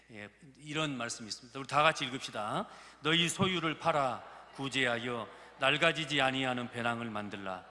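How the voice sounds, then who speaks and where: Folksy Jeolla-accented pastor in a hall. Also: male voice, medium pitch, pushed and bright. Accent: Jeolla Korean. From Gurye, South Jeolla, Korea. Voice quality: folksy, joking, chatty with the congregation. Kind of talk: sermon. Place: church sanctuary. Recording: reverberant church hall.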